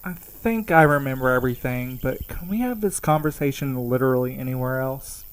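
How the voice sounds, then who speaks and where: A man's voice: mid-range voice, expressive, brisk, clear, resonant tone, close to an everyday voice. A man playing an exhausted, wry mail carrier in a naturalistic audio drama, talking in a weary, dry way. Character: battered, exhausted young male mail carrier, wry and evasive.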